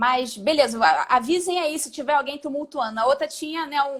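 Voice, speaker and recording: In a Carioca accent, a woman with a high pitch speaks with lively intonation. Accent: carioca, hissing 's' kept. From Rio de Janeiro. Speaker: live stream host. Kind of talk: casual chat. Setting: Instagram live video.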